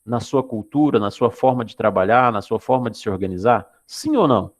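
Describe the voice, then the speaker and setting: A man's voice: medium pitch, animated, a little fast. A man from Goiás, Brazil, teaching an online class in an explanatory way, often checking in with his students. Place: Anápolis, Brazil.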